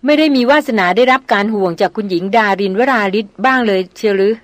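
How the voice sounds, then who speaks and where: A woman's voice: mid-range voice, fast, dry recording, natural voice. A woman reading an audiobook novel, voicing a proud, wry male jungle hunter with a dry, teasing manner.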